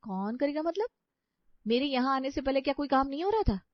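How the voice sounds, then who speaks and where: A woman's voice: sits high, lively intonation, brisk, dry recording. A woman voicing a spoiled, haughty young bride in a cartoon story who is rude and sarcastic to her mother-in-law. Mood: dismissive. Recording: dry, slightly dull audio.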